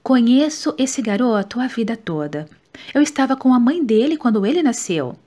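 A woman with a Brazilian Portuguese accent, reading a nonfiction book aloud in a steady, measured way. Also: a little high. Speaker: audiobook reader. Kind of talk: scripted audiobook narration.

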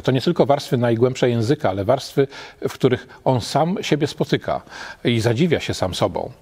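A middle-aged man speaks with a steady, mid-range voice, unhurried and considered. He pauses often, filling gaps with soft hesitations as he searches for the right word. He sounds like a scholar talking through ideas in an empty lecture hall. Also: medium pitch, slightly rough. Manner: measured, thoughtful, pausing often with hesitations. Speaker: literary scholar. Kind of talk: reflective spoken commentary.

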